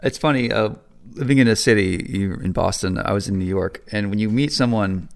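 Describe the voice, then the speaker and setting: A man co-hosting a podcast in casual chat, animated and quick to laugh. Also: fairly low pitch, creaky. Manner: animated, quotes people in put-on voices, laughs easily. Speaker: podcast co-host.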